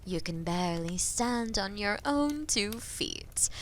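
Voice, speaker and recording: A woman playing a haughty, taunting female dragon in a fantasy audio drama, speaking deliberately and often dropping into breathy whispers. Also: mid-range voice, animated, slight background noise. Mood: condescending. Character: haughty, menacing female dragon toying with captive knight. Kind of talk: slow, theatrical roleplay monologue in medieval fantasy audio drama.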